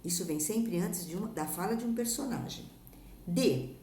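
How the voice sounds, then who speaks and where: A woman teaching a primary school lesson, speaking Brazilian Portuguese in a patient way, stretching example words out slowly and checking that her pupils follow. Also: medium pitch, lively intonation, mellow. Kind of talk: recorded remote class lesson. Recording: echoey room with faint background noise.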